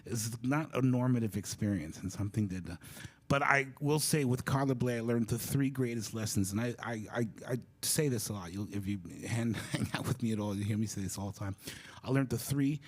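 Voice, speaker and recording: A middle-aged man giving a storytelling talk, animated and acting out the people he quotes. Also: mid-range voice, a little fast. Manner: animated, acts out quoted voices. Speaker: guest speaker. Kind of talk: storytelling lecture.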